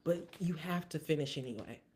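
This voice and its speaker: A woman's voice: low voice, expressive, brisk, darkish tone, slight background noise. A woman hosting a casual solo podcast recap, earnest and motivational, thinking aloud with many restarts. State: briefly emotional. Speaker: podcast host.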